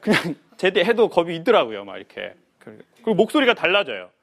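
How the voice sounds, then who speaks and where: A male lecturer with a fairly high voice that swoops up and down a great deal. He tells his stories in a playful, animated way and slips into acted voices for the people in them. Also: fairly quick, vocal fry. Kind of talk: humorous life lecture to an audience.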